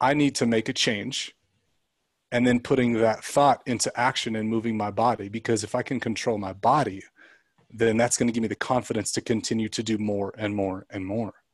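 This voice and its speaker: A man's normal speaking voice at a medium pitch with fairly even intonation and a moderate pace against a quiet background. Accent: American. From California. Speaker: fitness coach. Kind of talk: interview.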